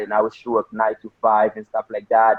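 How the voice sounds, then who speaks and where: A man at a medium pitch speaks with a strong Haitian accent and monotone, flat intonation. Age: 20s. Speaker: real estate wholesaler. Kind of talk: casual interview. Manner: halting.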